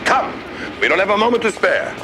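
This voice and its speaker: An actor playing a pompous, demanding radio star and director with a theatrical, imperious delivery in a television drama. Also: male voice, sits high, sing-song, fairly quick, background noise. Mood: brisk, commanding.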